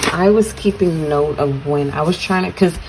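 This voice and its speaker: Noticeable background noise runs beneath a voice with an American accent. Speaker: vlogger. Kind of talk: casual vlog talk. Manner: fast.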